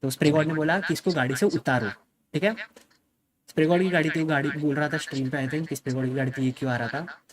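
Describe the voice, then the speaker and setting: A man's voice: fairly high pitch, steady tone, quick pace, noisy background. A young man telling his viewers a story in a casual way. He talks emphatically, mixes English phrases into his speech and keeps dropping in "okay" as a filler. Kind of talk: casual spoken account to viewers.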